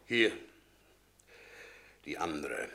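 An actor in a radio play voicing a huge, fervent Christian who preaches solemnly and emphatically while holding back a violent temper. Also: male voice, extremely low pitch, sing-song, extremely slow, vocal fry, sharp tone, slight background noise, heavily acted. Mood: restrained, solemn.

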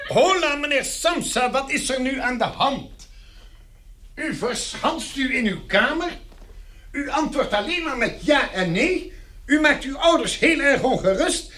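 High-pitched pompous chief clerk. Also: male voice, lively intonation, measured pace, pushed and bright, a little hiss or hum, exaggerated voice. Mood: stern reproach. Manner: formal, pompous, long-winded. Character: pompous, impatient male chief clerk, stern company official. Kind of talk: radio drama acting.

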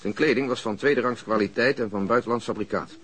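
A man's voice: mid-range voice, fast talker, lightly acted. An actor playing a dry, methodical male police investigator in a radio drama, reporting in a clipped, matter-of-fact way. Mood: dry, factual.

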